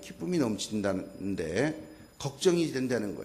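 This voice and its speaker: A man's medium-paced speech has an audible echo from the room. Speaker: pastor. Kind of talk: sermon. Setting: church. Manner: soft, calm.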